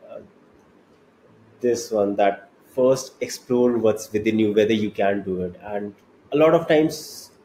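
A man with an Indian accent hosting an interview, speaking in a measured way and summing up points. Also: medium pitch, dark tone. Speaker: podcast host. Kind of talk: interview conversation. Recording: roomy echo, faint background noise.

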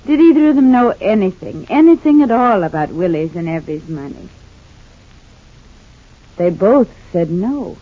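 An actress playing worried old Ma Perkins. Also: female voice, medium pitch, lively intonation, normal speed, long pauses, natural voice. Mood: hesitant. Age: older. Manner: soft, hesitant, worried. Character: Ma Perkins, older motherly country woman. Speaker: radio soap opera character. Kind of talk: 1940s radio acting. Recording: dull old radio transcription.

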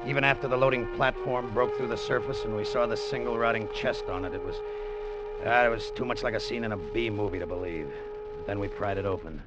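An actor playing an eager salvage partner who also narrates, in a 1950s radio drama, talking in an excitable way. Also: male voice, fairly low pitch, fairly quick, loud music behind the voice, lightly acted, low-quality recording. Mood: narrating. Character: eager adult male treasure hunter, narrating.

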